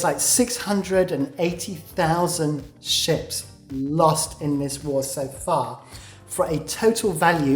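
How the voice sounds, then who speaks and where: Low-voiced woman, gaming war-update commentator, analytical with many "uh" pauses; echoey room, faint music bed. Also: a little mellow. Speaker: game news commentator.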